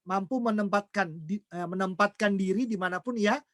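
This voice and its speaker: High-voiced man preaching a sermon. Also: normal speed, a bit bright, no room sound, studio quality. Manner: asks the congregation questions and answers them himself; acts out everyday quarrels in quoted voices.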